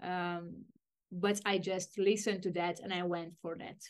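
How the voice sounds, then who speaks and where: A woman from Romania, middle-aged, telling her life story as an interview guest, reflective and halting, with phrasing and frequent restarts. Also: fairly low pitch, flat delivery. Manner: reflective, non-native phrasing with many restarts.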